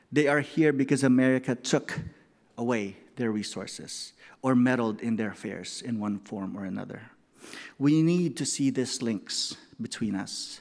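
A man with a Filipino accent at medium pitch, moderate pace and ordinary pitch variation, against a quiet background. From Philippines. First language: Tagalog. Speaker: keynote speaker and academic; keynote speaker. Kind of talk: keynote speech. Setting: stage with audience. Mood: earnest, serious. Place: hall. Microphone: podium.

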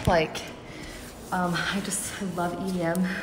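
Woman's voice with noticeable background noise. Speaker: lifestyle vlogger and mother. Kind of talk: casual vlog to camera. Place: gym. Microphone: phone near.

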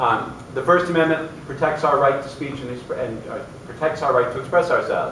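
Light background noise and audible room echo accompany the man as he talks. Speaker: law professor panelist. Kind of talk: lecture. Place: meeting room.

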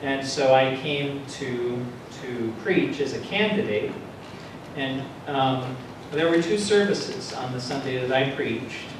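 A man speaks at a very slow pace. The room echo is audible, and background noise is noticeable. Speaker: pastor giving a talk. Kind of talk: lecture. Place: hall.

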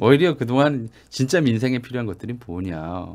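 A man is speaking. His pitch swings very widely. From South Korea. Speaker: historian and political commentator; political commentator. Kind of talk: political talk show interview. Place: studio. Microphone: studio mic.

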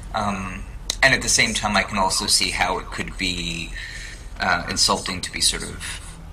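Noticeable background noise around a man speaking, plus audible room echo. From New York. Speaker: author and publisher on synchronicity. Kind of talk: radio interview.

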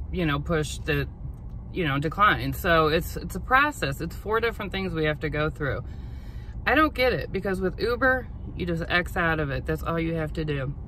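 A woman speaks over light background noise in a dry sound with no echo. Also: moderate pace. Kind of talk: casual vlog chat. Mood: mildly frustrated. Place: car. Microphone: phone near.

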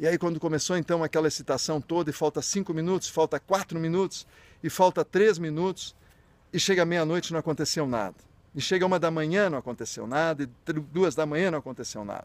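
A man with a plain, everyday voice talks at a fairly quick pace and a fairly high pitch, with ordinary pitch variation. The sound is dry, with no echo. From Brazil. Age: 50s. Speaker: entrepreneur and self-leadership educator; self-leadership educator. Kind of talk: educational vlog monologue. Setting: leaving the gym. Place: garden. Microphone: phone near.

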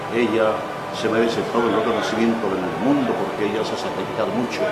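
Very fast pace from a man, loud background noise behind him. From Ecuador. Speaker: sports broadcaster. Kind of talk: interview answer. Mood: warm, grateful, reflective. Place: hall. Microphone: lapel.

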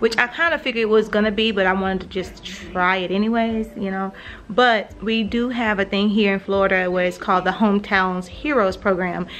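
Fairly quick speech from a woman at medium pitch, with hardly any pauses and light background noise. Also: ordinary pitch variation. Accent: Southern US. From south Mississippi. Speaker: mom vlogger. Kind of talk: casual talk to camera. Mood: upbeat, joyful. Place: home room. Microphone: phone near.

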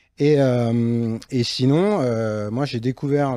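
A man speaks very slowly in a dark, mellow tone. The sound is dry with no echo, and the background is quiet. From Réunion. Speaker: marketing agency owner; podcast guest. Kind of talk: casual chat. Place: studio. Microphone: studio mic.

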